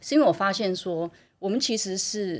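A woman talks at a moderate pace in a medium-pitched voice. The recording is very clean, with a silent background. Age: 30s. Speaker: human design analyst. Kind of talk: interview.

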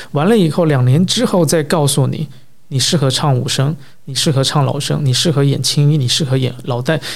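This man talks at a fairly quick pace in a Beijing accent, his voice somewhat breathy. His pitch is fairly high, with ordinary variation. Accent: Beijing-style Mandarin. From Taiwan, Yilan. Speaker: Peking opera performer. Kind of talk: interview.

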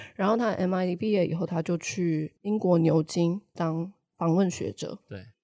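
A woman speaks at a fairly slow pace with a fairly low pitch and fairly even intonation. Her tone is dark and mellow, and the sound is dry and close with no echo. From Taiwan, Taichung. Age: 30s. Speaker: lawyer. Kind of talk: casual chat.

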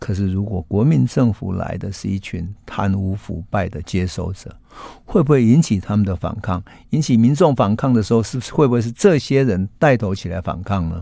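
At a moderate pace, a man with a fairly low pitch speaks in a dark, mellow tone with lively intonation. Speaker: radio host and history storyteller. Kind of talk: history storytelling on radio. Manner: conversational with frequent filler particles.

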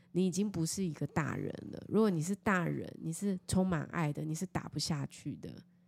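A woman's a normal speaking voice at a fairly low pitch, moderate in pace with fairly even intonation and hardly any pauses, in a dry, close sound with no echo. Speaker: podcast host. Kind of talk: casual chat.

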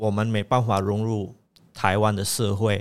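A man with a fairly low pitch speaks at a very slow pace in a very clean recording with a silent background. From Indonesia. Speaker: university student counselor and immigrant rights volunteer. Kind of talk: casual interview chat.

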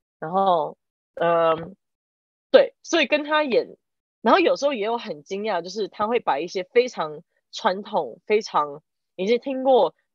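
A woman's fairly high voice with very wide pitch swings, big swings in loudness and long, frequent pauses at a fairly slow pace, dry and close with no echo, quiet behind. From Taiwan. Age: 30s. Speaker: jazz and tango singer. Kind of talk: casual chat.

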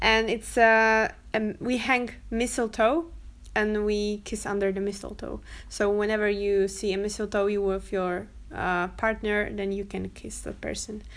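A woman with a Polish accent, medium in pitch, fairly slow, in a monotone, flat delivery. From Poland. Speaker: podcast co-host. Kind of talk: casual chat.

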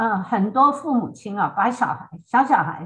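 The intonation here is lively. Vocal fry runs through the voice. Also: woman. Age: 80s+. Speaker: parenting author, retired executive. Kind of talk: interview podcast. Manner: hesitant, many fillers.

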